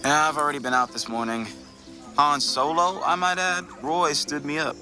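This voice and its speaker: A man's voice: fairly high pitch, fairly even intonation, moderate pace, pushed and bright. Brief: male actor as teasing late-twenties guy, sarcastic and exasperated, comedic audio drama, music underneath. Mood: wry, exasperated. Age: 20s. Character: Russell, sarcastic comic-book-loving husband in his late twenties.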